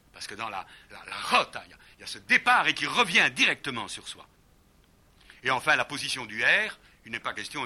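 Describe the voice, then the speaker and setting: A man from Brazil giving a lecture, who acts out the sounds of words and pauses often to let them land. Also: on the high side, pushed and bright.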